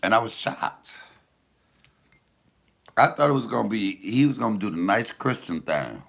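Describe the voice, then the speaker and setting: A middle-aged man with a deep voice, a comedian chatting casually and profanely with viewers on a livestream. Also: moderate pace, creaky. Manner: animated, loose and profane storytelling.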